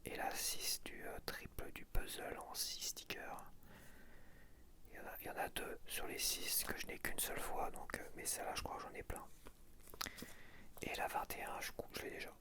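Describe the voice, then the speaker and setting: A man whispering casual, informal ASMR commentary in a breathy voice, muttering to the viewer close to the microphone. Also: normal speed, sharp tone. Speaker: ASMR video creator.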